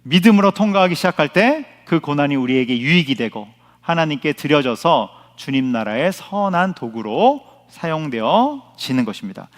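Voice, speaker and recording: A man's voice: on the high side, sing-song, normal speed, big-room sound. A male pastor preaching at a Friday prayer meeting, emphatic, repeating key phrases and asking the congregation questions. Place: church sanctuary.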